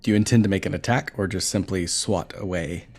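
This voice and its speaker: Male game master, low register, narrating a tabletop role-playing session. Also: fairly quick, faint music behind.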